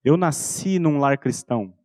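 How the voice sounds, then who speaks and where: A man in his thirties with a Brazilian Portuguese accent, preaching a sermon and telling a personal story, acting out soft-spoken dialogue with his son. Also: on the high side, animated, a little slow, no echo, studio quality. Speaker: pastor.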